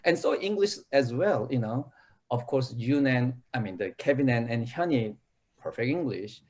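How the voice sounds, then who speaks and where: A man's voice: medium pitch, expressive, normal speed, darkish tone. A man, an actor in a casual interview, who explains things at length in a thoughtful way.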